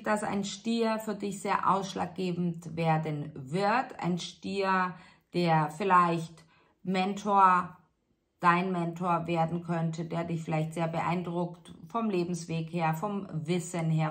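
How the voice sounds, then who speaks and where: A woman speaks in a slow, unhurried tarot reading, addressing the listener directly and soothingly. Her voice sits fairly low yet has a bright, clear edge. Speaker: tarot reader. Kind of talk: spiritual tarot reading monologue.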